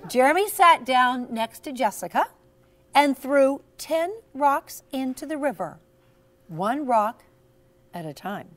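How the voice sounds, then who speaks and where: A woman's voice: sits high, animated, slow pace. A woman storyteller doing an interactive read-aloud for young children, encouraging and teacherly, with theatrical emphasis. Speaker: storyteller and author. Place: in front of a class of children.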